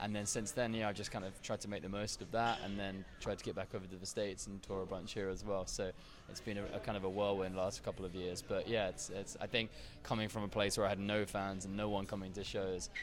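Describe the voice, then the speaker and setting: A man speaks very fast in a fairly low pitch with a southern English accent. His intonation is monotone and flat. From England, Brighton. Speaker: touring musician. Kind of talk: casual interview. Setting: backstage at music venue.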